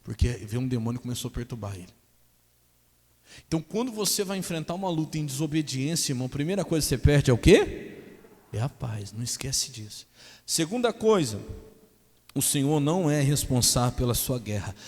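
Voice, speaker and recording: Emphatic pastor preaching. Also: male voice, medium pitch, big pitch swings, a little fast, darkish tone. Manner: emphatic, asks the congregation rhetorical questions. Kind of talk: sermon. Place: church. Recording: echoey church hall.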